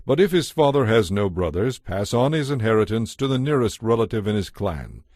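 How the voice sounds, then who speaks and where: A man giving a measured, formal narration of scripture from a script. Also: on the low side, sing-song, a little mellow, no room sound, clean studio sound. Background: music.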